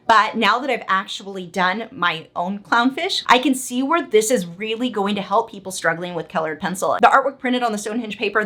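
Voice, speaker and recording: High-voiced woman hosting an art video. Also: fairly bright tone. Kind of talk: casual talk to viewers.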